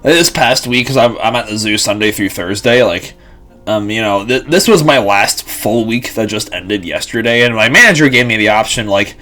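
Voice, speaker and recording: A man's voice: lowish voice, bright, forceful tone. A young man in his twenties rambling casually to camera, full of fillers and restarts. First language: Lithuanian and English bilingual. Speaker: vlogger.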